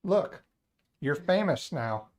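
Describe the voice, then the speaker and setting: A man's voice: fairly high pitch, big pitch swings, takes it slowly, a little mellow. Casual male streamer, joking, rambling, chatting with viewers. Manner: joking, rambling, talks to chat and cat. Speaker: livestream host. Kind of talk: casual livestream chat.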